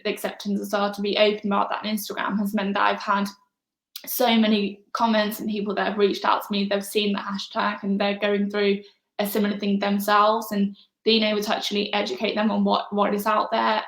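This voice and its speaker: A woman answering interview questions in a relaxed, casual way, soft-spoken with frequent pauses and fillers. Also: mid-range voice, creaky. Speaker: interview guest. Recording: echoey room.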